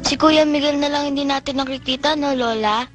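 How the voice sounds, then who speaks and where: A woman's voice: high-pitched, steady tone, brisk, lightly acted. An actress playing a frightened young girl in a 1980s Filipino action film, with a Filipino accent. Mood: timid. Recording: old film soundtrack with loud music.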